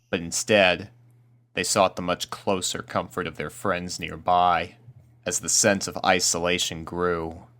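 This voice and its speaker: A man reading a scripted spooky story aloud as narrator, with a measured, suspenseful storytelling delivery. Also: low voice, a bit bright. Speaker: fan fiction narrator.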